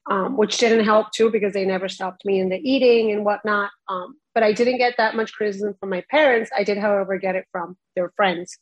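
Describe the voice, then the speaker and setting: A woman who grew up in Spain, a podcast guest recounting childhood memories in a matter-of-fact, measured way. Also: mid-range voice, no room sound, muffled recording. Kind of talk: casual chat.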